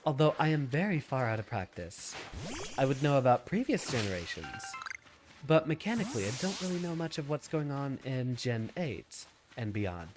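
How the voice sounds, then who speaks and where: A man's voice: medium pitch, sing-song, moderate pace, music in the background. A man streaming a video game with a stuffy, slightly nasal nose, musing aloud in an easygoing way and answering viewers' questions.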